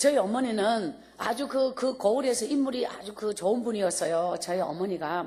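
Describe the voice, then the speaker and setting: Animated tone and lively intonation at a moderate pace, over noticeable background noise. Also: woman, fairly high pitch for a woman. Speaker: evangelist. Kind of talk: testimony. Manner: animated storytelling.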